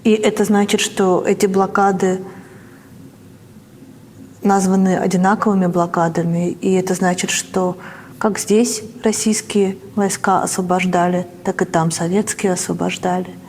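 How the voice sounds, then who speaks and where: A woman's voice: on the low side, flat delivery, normal speed, a little mellow, long reverb tail, slight background noise. A woman interview host asking pointed, probing questions.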